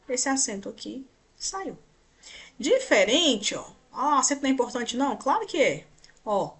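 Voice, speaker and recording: Woman, Brazilian Portuguese accent, teacher, grammar lesson, explanatory, slightly breathy voice. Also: sits high, fairly bright tone. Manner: explanatory, pointing at slides, with frequent check-in questions.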